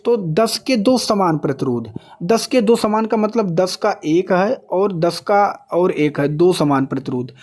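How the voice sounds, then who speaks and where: A man's voice: high voice, lively intonation, a little slow, darkish tone. A man teaching a lesson step by step, in an instructional way, often asking questions and answering them himself. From India. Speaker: exam coaching teacher. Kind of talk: step-by-step maths and physics lesson.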